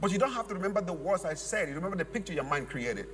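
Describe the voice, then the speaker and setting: A man talks in a high voice with lively intonation, his words ringing with audible room echo over noticeable background noise. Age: 50s. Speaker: motivational speaker. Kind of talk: sermon-style teaching.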